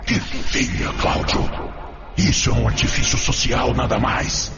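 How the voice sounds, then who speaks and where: Creaky, insinuating tempter spirit. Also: male voice, mid-range voice, animated, a little slow. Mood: scornful, persuasive. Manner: persuasive, rhetorical, goading. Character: insinuating male tempter spirit urging a man to lust. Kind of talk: dramatic radio drama acting. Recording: dull audio under loud music.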